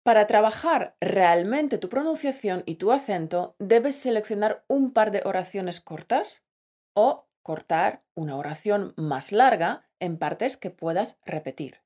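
A woman's voice: mid-range voice, lively intonation, unhurried, darkish tone. A woman co-hosting a scripted teaching podcast, playful and affectionate with the listener. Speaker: podcast co-host, Spanish teacher.

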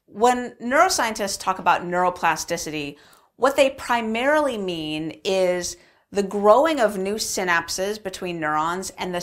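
A woman talking casually and explaining things as a vlog host, with emphatic conversational delivery, recorded in an echoey, bare unfinished room. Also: lowish voice. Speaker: vlog host answering viewer questions. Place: unfinished basement room with cinder blocks and subflooring.

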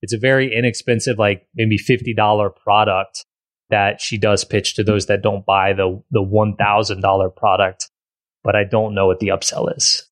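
A man's voice: on the low side, flat delivery, normal speed, no echo, studio quality. A man hosting a podcast in casual conversation, rambling with frequent restarts and repeated words. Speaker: podcast host.

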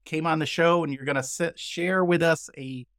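A man hosting a podcast panel, speaking haltingly with frequent restarts. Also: on the high side, steady tone, fairly bright tone, no room sound, studio quality. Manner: halting, many fillers and restarts. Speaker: podcast host.

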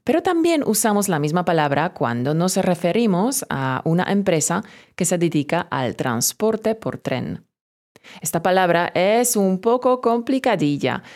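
A woman leads a scripted vocabulary lesson in a somewhat low voice. She pronounces each word slowly and carefully for the learner to repeat. She talks straight to the student with encouragement. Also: darkish tone. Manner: slow, careful pronunciation drills; encouraging, addresses the learner directly. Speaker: Spanish teacher.

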